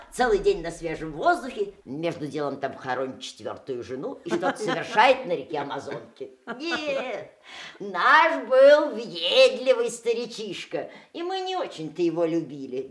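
An actress playing an expressive woman who tells rambling family anecdotes in a theatrical audio drama. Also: medium pitch.

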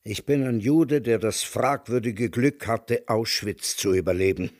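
An actor in a German radio drama playing an elderly Jewish camp survivor, bitter and menacing, speaking with biting, theatrical sarcasm. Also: male voice, on the low side, a little slow, a little mellow. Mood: indignant. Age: older.

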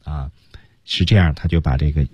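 A man's voice: a bass voice, normal speed, a little mellow, husky, dry recording. A man teaching English pronunciation on a radio lesson, explaining stress and intonation and modelling English lines.

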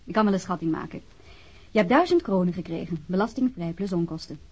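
Radio crime drama: mocking policewoman, husky, animated delivery, never gives an inch. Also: fairly low pitch, fast, poor audio. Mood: mocking, assured. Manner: sardonic, unyielding. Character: tough, mocking policewoman of the vice squad.

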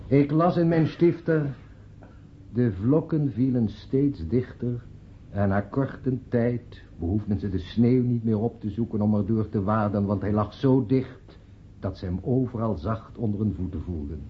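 An actor as a slow, declamatory sentimental man. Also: fairly low pitch, lightly acted. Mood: solemn, nostalgic. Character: man giving a solemn, sentimental graveside eulogy for a friend. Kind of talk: radio play acting. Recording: dull, noisy old radio play recording.

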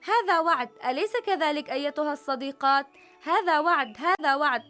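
A gentle, caring young girl from a children's story, voiced by a woman, speaking high and earnestly and gently persuading her friends. Soft music runs quietly underneath. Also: brisk. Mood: cheerful.

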